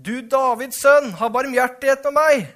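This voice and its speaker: A man voicing a blind beggar who cries out loudly, pleading for mercy. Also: extremely high pitch, fairly even intonation, pitched above the performer's own voice.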